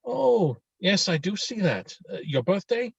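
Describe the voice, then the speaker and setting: A man's voice: sits high, big pitch swings, measured pace, gravelly, husky, dry recording, full character voice. A man acting a friendly, earnest young Swede in a script table read, hesitant and searching for words. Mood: friendly, chatty. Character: friendly, mock-menacing young Swedish man, earnest and sensitive. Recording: dull, lo-fi video-call audio.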